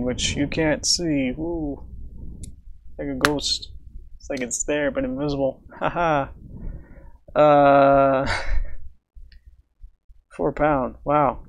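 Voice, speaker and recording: A man on a casual live stream, rambling with many fillers and soft laughs while he works, sounding tired and a little out of breath. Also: medium pitch, gravelly, slight background noise.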